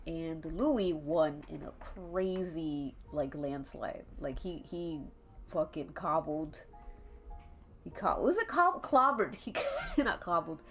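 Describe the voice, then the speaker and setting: A young woman with a congested, stuffy nose, chatting casually and rambling to her chat while she draws, laughing often. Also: lowish voice. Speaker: art streamer. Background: faint calming jazz music.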